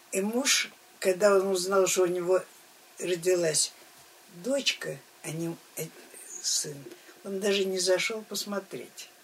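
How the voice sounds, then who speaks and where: Noticeable background noise sits behind a woman speaking at a medium pitch. She talks very slowly, with long, frequent pauses. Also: ordinary pitch variation. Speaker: memoirist, writer's daughter. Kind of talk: interview reminiscence.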